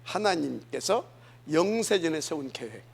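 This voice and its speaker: A man's voice: on the high side, very animated, normal speed, creaky, husky. A male pastor from Jeolla preaching a sermon in a church, talking conversationally and often asking the congregation rhetorical questions. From Jeolla, South Korea. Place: church sanctuary.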